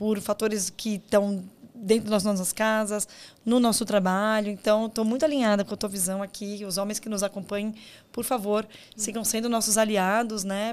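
On a very clean recording with a silent background, a woman speaks at a moderate pace in a fairly high pitch with a monotone, flat intonation. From Brazil, Guarulhos (São Paulo state). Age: 30s. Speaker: entrepreneur and company founder. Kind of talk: interview.

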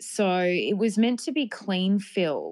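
Speaking very slowly with ordinary pitch variation, a woman with an Australian accent comes through on a very clean recording with a silent background. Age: 30s. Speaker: independent election candidate. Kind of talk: interview.

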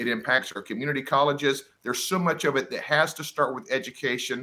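A man with an American accent talks at a fairly quick pace. His tone is bright and sharp. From Florida Panhandle. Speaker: politician. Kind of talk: interview. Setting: video call.

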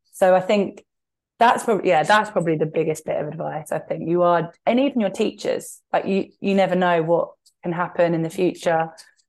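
Fairly low-pitched woman with a southern English accent, moderate pace, ordinary pitch variation and a quiet background. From Brighton, southern England. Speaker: choreographer and dance company director. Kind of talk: interview.

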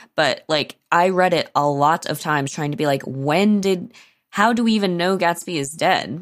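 A woman with an unremarkable speaking voice, fairly low in pitch, with ordinary pitch variation and a moderate pace. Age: 30s. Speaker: podcast co-host discussing books. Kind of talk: casual chat.

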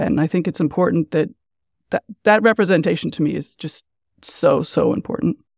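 Speaking fairly quickly with vocal fry, a woman with an American accent comes through dry and close with no echo. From Philadelphia, US. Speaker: podcast host, guest. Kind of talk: interview. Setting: remote recording.

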